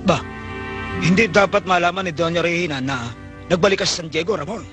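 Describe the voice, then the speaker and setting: A man's voice: high voice, a little fast, lightly acted. An actor playing a stern but caring old grandfather in a 1980s Filipino action film, with a Filipino accent. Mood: concerned. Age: older. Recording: old film soundtrack with loud music.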